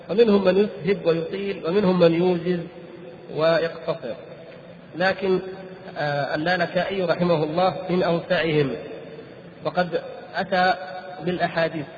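A man delivering a formal Islamic lecture, reading and explaining a text in a deliberate way, pausing between short phrases. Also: fairly high pitch. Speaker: religious lecturer. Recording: echoey reverberant hall, muffled, faint noise.

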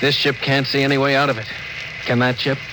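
A man's voice: medium pitch, flat delivery, a little fast, close to an everyday voice. Guy playing a sincere polite crewman on a spaceship, old radio drama hiss. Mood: earnest. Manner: earnest, deferential. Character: earnest, soft-hearted male spaceship officer. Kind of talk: 1950s radio drama acting. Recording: hissy old radio broadcast.

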